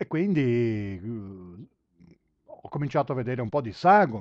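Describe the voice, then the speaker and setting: A man talks with a non-native accent. His pace is fairly slow. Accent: non-native-sounding Italian, out of practice. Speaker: CAD/CAM tutorial maker. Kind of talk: screen-recorded tutorial. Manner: halting, many fillers.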